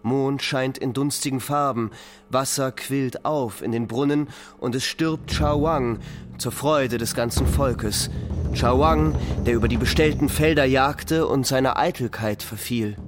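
A man narrating an epic poem for a radio play in a measured, declamatory way. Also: mid-range voice, a little hiss or hum, close to an everyday voice. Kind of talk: solemn scripted recitation of epic poetry.

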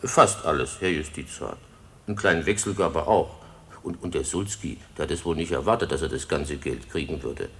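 An actor playing a deferential village witness in a German radio play, giving his account in a careful, halting manner. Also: extremely low pitch, breathy edge, full character voice. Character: hesitant, deferential village witness recounting an evening.

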